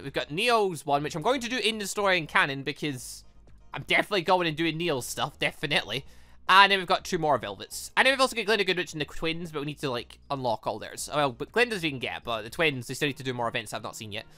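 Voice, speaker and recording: A man hosts a casual playthrough of a visual novel, chatting in a rambling way about what comes next and reading the on-screen text aloud. His voice is bright and his pitch swings widely. The sound is dry and close, with faint game music underneath. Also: dry recording. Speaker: let's-play host. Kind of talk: casual gameplay commentary.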